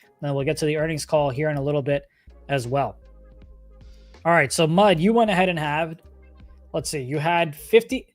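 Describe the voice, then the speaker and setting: A man with a slightly high voice hosts a casual trading livestream over faint background music. He speaks informally and conversationally, addressing viewers directly as he gives live commentary. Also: moderate pace, pauses often. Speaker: livestream host and stock trader.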